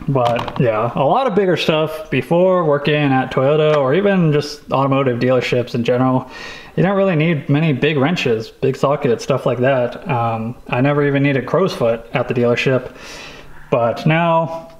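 A man casually showing off tools he bought, talking in a relaxed, rambling way with lots of fillers. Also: mid-range voice, moderate pace. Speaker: vlogger showing a tool haul. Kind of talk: casual show-and-tell chat.

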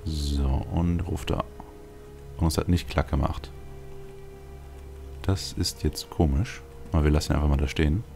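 A man's voice: extremely low pitch, steady tone, normal speed, vocal fry, pauses often, a little mellow. A man giving casual gameplay commentary as a let's play host, rambling and thinking aloud. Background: video game music.

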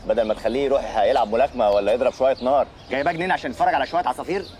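An actor playing a cocky, wisecracking tough charmer in a comic film, teasing with an Egyptian accent. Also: male voice, medium pitch, rapid-fire, darkish tone, slight background noise, natural voice. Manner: teasing, sardonic. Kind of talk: comic screen acting.

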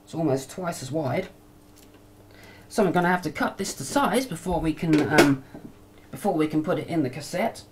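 A woman giving a casual hands-on demonstration with a hesitant, halting delivery, picked up on a camcorder microphone. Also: deep voice, lively intonation. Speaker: hobbyist video maker, demonstrator. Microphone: camcorder microphone near the bench. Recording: noisy amateur camcorder sound.

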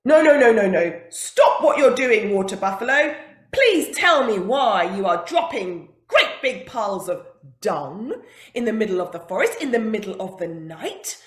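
A woman's voice: medium pitch, big pitch swings, unhurried, fairly bright tone. A woman voicing a sleepy, exasperated male tiger in a bedtime story. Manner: exasperated, emphatic pleading. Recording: roomy echo.

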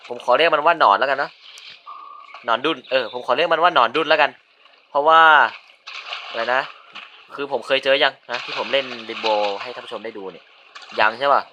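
Male game caster, casual running commentary, bright voice, quick startled outbursts, faint noise behind. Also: mid-range voice. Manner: chatty, bursts into sudden yelps and shouts. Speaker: gaming video host. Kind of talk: casual let's-play commentary.

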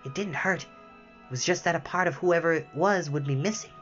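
A storybook reader voicing a frightened, fluttering will-o'-the-wisp spirit who rushes anxiously through his words. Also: medium pitch, a bit bright, lo-fi sound, soft background music, natural voice. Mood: worried explaining. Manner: anxious, breathless, rushing.

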